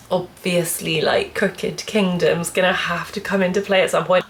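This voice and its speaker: A young woman, croaky from a cold, chatting casually about books to camera with lots of restarts. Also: low voice, fairly bright tone, slight background noise. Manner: chatty, rambling, full of "like" and restarts. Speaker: book vlogger.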